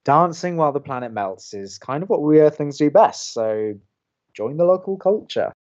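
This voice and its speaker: A man's voice: fairly high pitch, animated, normal speed, a little mellow, dull audio, close to an everyday voice. A young man acting as a sarcastic, easily exasperated college radio co-host in an audio romantic comedy. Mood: exasperated, baffled. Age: young adult. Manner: dry, sarcastic.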